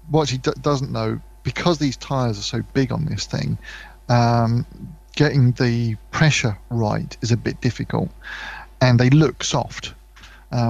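A man's voice: medium pitch, vocal fry, darkish tone, lo-fi sound. A British man co-hosting a podcast, chatting casually and rambling with many fillers and restarts. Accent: British English. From United Kingdom. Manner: mimics voices for anecdotes. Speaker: podcast co-host. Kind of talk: casual chat.

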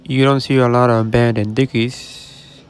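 A man's voice: mid-range voice, flat delivery, moderate pace, smooth, faint music behind. A man narrating a casual walkthrough of a closed restaurant, speaking matter-of-factly and addressing his viewers directly. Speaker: vlogger exploring closed stores. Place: outdoors at a shopping center storefront. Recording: faint outdoor traffic noise.

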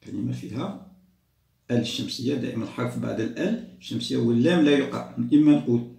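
A man, teaching a grammar lesson to young children patiently, repeating and drawing out words slowly. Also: medium pitch, vocal fry, mellow. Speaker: primary school teacher. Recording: roomy echo.

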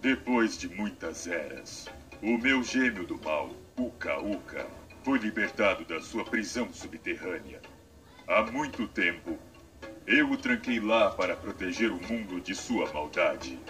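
A man's voice: low-pitched, animated, a little slow. A man voicing a wise guardian mask spirit in a dubbed game, grave and fatherly as he explains. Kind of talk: dubbed video game cutscene acting. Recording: quiet distant game audio under music.

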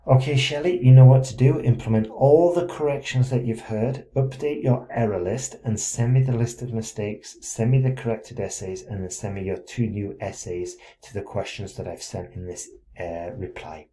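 A man's voice: lowish voice, normal speed, dark tone. A man tutoring English writing, reading a student's letter aloud and stopping to correct it, with frequent check-ins and encouragement. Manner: reads student text aloud, breaks off to comment. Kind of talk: essay correction screencast.

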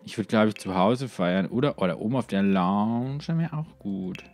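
A man's voice: fairly low pitch, lively intonation, moderate pace, a little mellow. A man giving let's play commentary on a life-simulation game. He rambles casually, keeps talking to the game characters, and tags his sentences with fillers like "hier" and "ne". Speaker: let's player.

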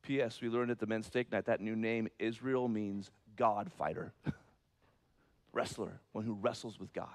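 A man preaching a sermon as pastor, moving between soft, low explanation and loud, high-pitched emphasis in an earnest, conversational way. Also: fairly even intonation, moderate pace.

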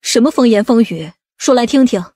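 A woman's voice: a little high, animated, a little fast, a little mellow, breathy edge, dry recording, studio quality. A woman playing an imperious, commanding aunt from a powerful family in an audiobook drama. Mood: indignant, demanding. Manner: commanding, demanding.

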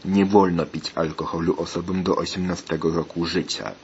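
A calm, inquisitive man asks question after question, read by a man with a deep voice. The sound is muffled and lo-fi. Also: normal speed, slight background noise, close to an everyday voice. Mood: curious. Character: curious adult man visiting a factory.

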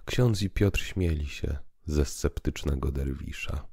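A man's voice: extremely low pitch, slow pace, gravelly, dark tone, breathy edge, no echo, clean studio sound. A man narrating a literary audio play in a dramatic, scripted style. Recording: piano music underneath.

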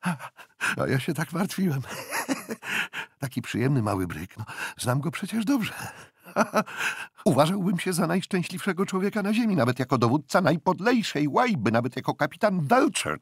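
Man voicing young sea captain, excitable, laughing, husky, dry audiobook sound. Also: fairly high pitch, moderate pace, dry recording, pitched above the performer's own voice, heavily acted. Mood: elated. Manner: giddy, laughing, breathless. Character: young male naval officer, excitable.

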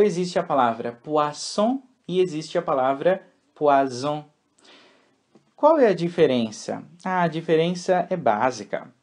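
A man's voice: medium pitch, darkish tone. A man teaching a recorded language lesson, repeating example words and checking in with tag questions.

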